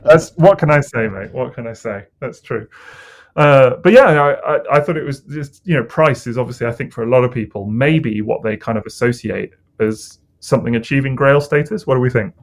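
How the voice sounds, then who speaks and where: Gravelly man, rambling chat. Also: mid-range voice, moderate pace. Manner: rambling, hesitant, lots of fillers. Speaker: podcast co-host. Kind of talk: casual chat.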